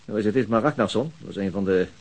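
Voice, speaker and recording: Quick, husky-voiced detective played by a man, terse and dry, old radio drama. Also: on the low side, natural voice. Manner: terse, dryly ironic. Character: dry, weary male homicide detective. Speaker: homicide detective. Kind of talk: radio play acting.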